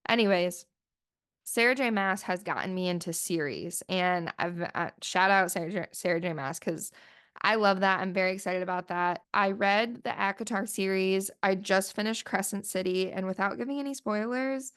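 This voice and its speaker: Solo podcast host, woman, chatty and rambling, smooth voice, a bit sniffly after the flu. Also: medium pitch, moderate pace, a bit bright. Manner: chatty, rambling, lots of "like" fillers. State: sniffly, voice still recovering from flu. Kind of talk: casual solo podcast chat.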